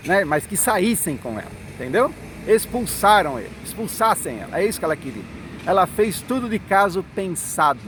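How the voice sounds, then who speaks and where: A man's voice: sits high, a bit bright, a little hiss or hum. A middle-aged man telling his own story in a monologue. He acts out the quoted dialogue and keeps checking in with "né?" and "certo?". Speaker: former congregation elder telling his story.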